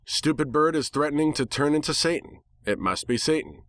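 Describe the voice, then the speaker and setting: A man's voice: fairly high pitch, animated, a little fast, a bit bright, dry recording, studio quality, pitched above the performer's own voice. A man voicing an irritable, stubborn talking pony from a story, with a snarky, petulant, whiny manner. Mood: grumbling.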